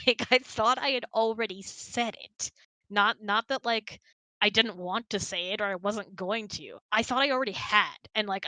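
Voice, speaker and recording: A woman with a bright voice chats casually on a close, dry mic. She tells stories expressively and giggles easily between phrases. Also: mid-range voice, no echo, poor audio. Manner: giggly, expressive, animated storyteller. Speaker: host of an audio hangout. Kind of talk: casual storytelling chat.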